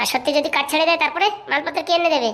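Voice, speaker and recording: In a cartoonish character voice, a woman chatters at a very fast pace and a high pitch. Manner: nagging, mocking.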